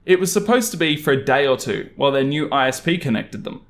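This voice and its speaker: A young man from Australia with a fairly high voice hosts a story reading. He moves between narration and casual, animated commentary with exasperated reactions. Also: fast. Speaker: YouTube host reading Reddit stories.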